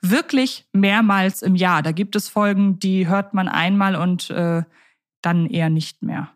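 A woman's voice: mid-range voice, measured pace, dry recording. Chatty woman podcast host, dry close sound. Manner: chatty, asks questions, fillers like ähm. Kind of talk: casual podcast discussion.

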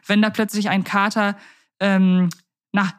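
A woman co-hosting a podcast, talking in a relaxed, thoughtful way with frequent fillers and restarts. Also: medium pitch, unhurried. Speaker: podcast co-host. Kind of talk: casual podcast chat.

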